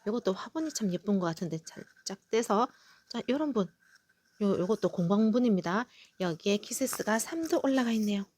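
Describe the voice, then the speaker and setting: A woman's voice: mid-range voice, animated, brisk, darkish tone, no echo. A middle-aged woman hosting a live sale of potted succulents, cheerfully listing each plant and its price. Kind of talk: live sales presentation.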